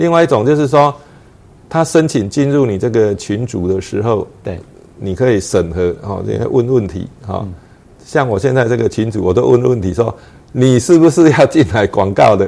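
A man's unremarkable speaking voice at a medium pitch and moderate pace, with lively intonation. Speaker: former university president. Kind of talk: casual interview.

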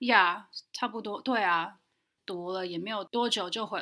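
A woman with an English accent speaks at a medium pitch with ordinary pitch variation and a bright, sharp tone. The recording is very clean, with a silent background. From Vancouver, Canada. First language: English (speaking Chinese). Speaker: guest, airline ground staff. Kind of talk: casual chat. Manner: code-switching English and Mandarin; brief, reserved.

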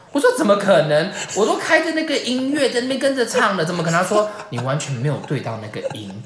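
A man at a very fast pace, animated in tone with very wide pitch swings, amid noticeable background noise and audible room echo. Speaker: podcast guest. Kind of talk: casual chat.

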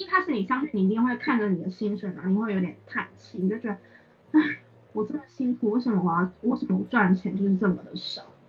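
Very fast speech from a woman of medium pitch, with ordinary pitch variation and noticeable background noise. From Taiwan, Yuanlin (Changhua). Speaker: TV program editor. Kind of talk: casual chat. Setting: online recording.

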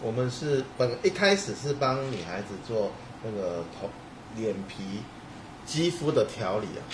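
A man speaks at a fairly slow pace with long, frequent pauses and very wide pitch swings, amid noticeable background noise. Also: medium pitch for a man. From Taiwan, Kaohsiung. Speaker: beauty spa chain owner. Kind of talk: livestream interview.

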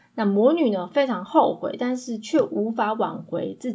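Somewhat breathy, a woman's voice has a dark, mellow tone and fairly high pitch. Her intonation is lively. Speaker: podcast host, TV drama reviewer. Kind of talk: scripted drama review narration.

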